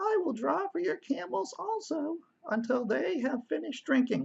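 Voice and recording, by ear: Putting on a character voice, a man talks at an extremely high pitch with very wide pitch swings. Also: moderate pace.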